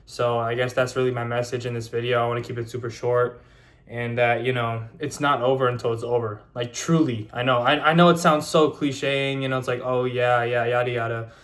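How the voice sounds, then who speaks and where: A man's voice: medium pitch, little pitch movement, fairly quick, fairly bright tone. Young man rambling through a vlog. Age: 20s. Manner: rambling with many fillers and restarts. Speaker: YouTuber. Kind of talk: casual vlog monologue.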